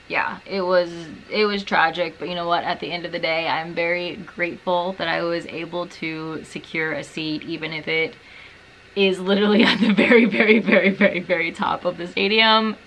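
A woman's voice: on the low side, fairly even intonation, a little slow, gravelly, a bit bright. A young woman in her twenties chatting casually to camera in a small bedroom, with wry, self-mocking asides. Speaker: lifestyle vlogger. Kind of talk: casual vlog chat to camera.

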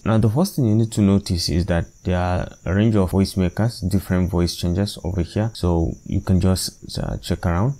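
A man narrating an unscripted software tutorial step by step, with hesitant, repetitive explanations. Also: low voice. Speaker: tutorial presenter.

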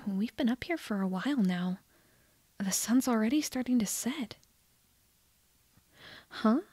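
A woman playing a shy, nervous teenage girl in love with a best friend, in a breathy, hesitant ASMR roleplay whisper. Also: on the high side, animated, warm tone, dry recording, heavily acted. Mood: nervous, earnest. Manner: hesitant, halting, tender.

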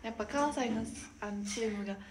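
A woman's voice: fairly high pitch, fairly quick, a loud crowd. A young woman with a Kansai accent chatting on a livestream, playfully thanking viewers by name. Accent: Kansai Japanese. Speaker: idol livestreamer reading comments. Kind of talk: casual livestream chat.

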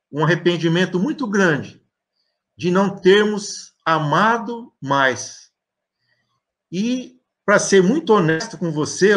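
A middle-aged man with a Brazilian accent giving an earnest, reflective religious testimony, speaking deliberately with frequent pauses over a video call. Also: sits high, a bit bright. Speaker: guest speaker at a spiritist talk. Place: indoor room at home, on a video call.

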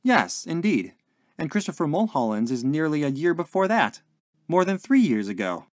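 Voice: mid-range voice, very animated, normal speed, no echo, clean studio sound, voice pushed up, close to an everyday voice. A narrator voicing a polite, earnest young man in a story, hesitant and puzzled as he searches for his words. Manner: hesitant, searching, well-mannered.

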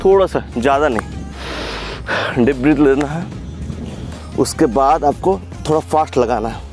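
A man's voice: medium pitch, expressive, a little slow, darkish tone, faint music behind. A young man coaching a bodyweight chest workout, giving short commands while counting reps, recorded outdoors in an open field. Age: young adult. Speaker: fitness coach. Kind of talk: workout instruction.

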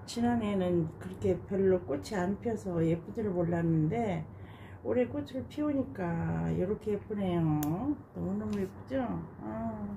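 A woman with a mellow, warm voice talks in a relaxed, casual way as she shows her balcony plants, sighing softly in admiration. A faint hum of ambient noise sits behind her. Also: medium pitch, vocal fry. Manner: gushing and admiring, with soft sighs. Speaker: gardening vlogger. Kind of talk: casual narration while showing plants. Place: home balcony garden.

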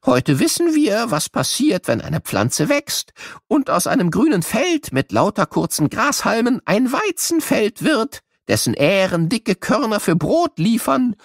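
A man's voice: high voice, big pitch swings, measured pace, vocal fry, hardly any pauses, no room sound, clean studio sound, voice pushed up, full character voice. A man voicing an old scientist who chattily explains things to children in an audio play, musing and humming to himself. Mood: musing, explaining. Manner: chatty, musing, with little hums and questions.

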